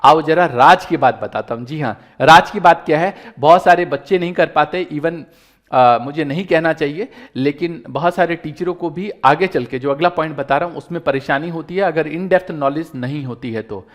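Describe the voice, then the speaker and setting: A man's voice: on the high side, normal speed. A man teaching accounts in an online lecture, earnest and encouraging, pleading with students and fellow teachers as he explains each step. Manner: earnest, pleading and encouraging, mixing English terms into Hindi.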